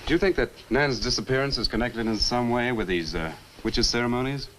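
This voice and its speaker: A man's voice: mid-range voice, brisk, a bit bright, natural voice. Guy acting earnest young man in a 60s horror movie, polite, a bit hesitant, slight soundtrack noise. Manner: hesitant, courteous, skeptical. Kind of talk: 1960s horror film acting. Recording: noisy old film soundtrack.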